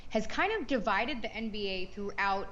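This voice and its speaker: A woman's voice: medium pitch, normal speed, fairly bright tone, highs cut off, a little hiss or hum. A woman co-hosting a sports podcast, leading the casual talk in an upbeat, chatty way with playful catchphrases, over a remote virtual recording.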